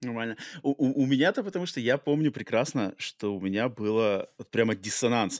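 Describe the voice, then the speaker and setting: At a moderate pace, a man with an unremarkable speaking voice at medium pitch uses lively intonation, recorded with a dry, close sound with no echo and a quiet background. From Russia-born, raised in US. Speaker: podcast host. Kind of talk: casual conversational chat. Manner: talkative, informal, fillers.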